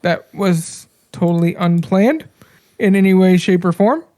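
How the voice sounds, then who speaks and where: A woman's voice: on the low side, unhurried, mellow. A woman hosting a podcast stream, teasing her co-host in dry, mock-serious comedic banter.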